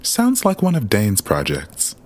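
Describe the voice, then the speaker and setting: A man's voice: on the low side, wildly swooping pitch, unhurried, heavily acted. An actor, a man, playing an easygoing, caring shopkeeper who teases his rebel friends in a sci-fi audio drama. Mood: curious, teasing.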